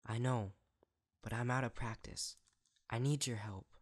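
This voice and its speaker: A man voicing a gentle younger princess pony sister who pleads in a quiet, soft tone. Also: medium pitch, fairly even intonation, unhurried, voice pushed up. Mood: gentle pleading.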